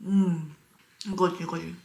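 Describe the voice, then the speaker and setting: In this casual eating show, the host's voice sits on the low side, creaky and steady, and she speaks a little slowly. Between mouthfuls she addresses her audience and murmurs how much she's enjoying the food. Faint noise, clicks and a roomy echo are audible.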